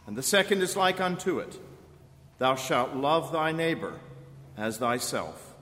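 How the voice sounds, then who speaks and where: A man leading a church service as a priest, praying and reading in a solemn, measured, intoning way, his voice ringing with cathedral echo. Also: on the high side, fairly bright tone. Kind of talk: formal liturgical prayer and reading. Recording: long church reverb, faint room hiss.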